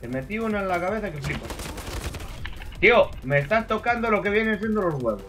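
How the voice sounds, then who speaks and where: A man with a Spain Spanish accent streaming live gameplay commentary, excitable, swearing and yelling at opponents. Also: high voice, fairly quick, far from the mic, over music.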